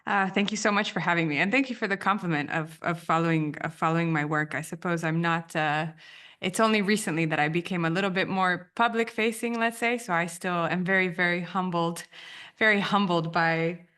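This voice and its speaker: A woman in her thirties, raised in the US after a childhood in Romania, whose first language is Romanian. Her voice sits a little low, and she talks reflectively, circling back and rephrasing as she goes. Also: a little fast, a bit bright. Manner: thoughtful, repeats and restarts phrases. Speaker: guest, branding editor. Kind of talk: reflective podcast interview.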